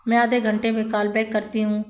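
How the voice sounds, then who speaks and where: A woman voicing a calm, firm senior woman lawyer who speaks seriously over the phone. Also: fairly high pitch, lightly acted. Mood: grave. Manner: measured, serious, steady.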